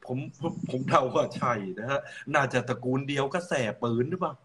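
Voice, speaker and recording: A man's voice: mid-range voice, fairly quick, background noise. A man with a Rayong accent, chatting on a radio show and telling stories, often repeating words as he gets going. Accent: Rayong Thai. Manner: storytelling, repeats words when starting. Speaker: co-host. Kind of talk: casual radio chat.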